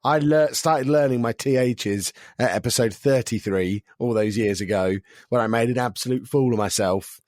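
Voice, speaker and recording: A man hosting a casual podcast, his voice a little croaky, talking with dry self-deprecating humour. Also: mid-range voice, moderate pace, darkish tone, dry recording. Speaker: podcast host.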